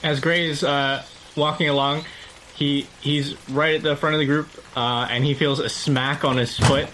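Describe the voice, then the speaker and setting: A man playing a tabletop game, casually narrating his character's moment in halting phrases. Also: fairly high pitch, flat delivery, fairly bright tone, slight background noise, low-quality recording. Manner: halting, pausing. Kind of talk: casual improvised storytelling.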